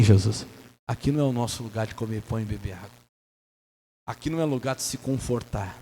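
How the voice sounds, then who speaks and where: A Brazilian man preaching a sermon as pastor. He swings between soft and loud passages and mimics church members in his own voice. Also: medium pitch. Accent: Brazilian Portuguese. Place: church sanctuary. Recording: long church reverb, faint hum.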